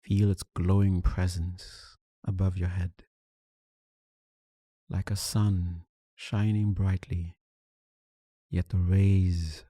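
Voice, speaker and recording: A man with a very dark, mellow voice guides a meditation in a low register. He gives soothing instructions in short phrases and leaves long, unhurried pauses between them. The sound is close and dry. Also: breathy edge, dry recording. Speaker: meditation teacher.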